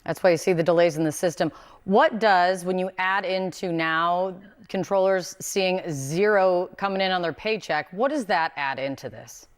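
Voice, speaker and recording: A female news anchor with a slightly low voice runs a live television interview. She talks conversationally while setting up pointed questions for her guest. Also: moderate pace, clear, resonant tone.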